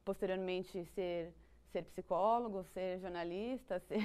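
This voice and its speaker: A woman with a Brazilian Portuguese accent, appearing as a psychology guest, thoughtfully explains psychology ideas in conversation, often restarting and laughing lightly. Her voice is fairly low, warm and clean, and she speaks a little slowly.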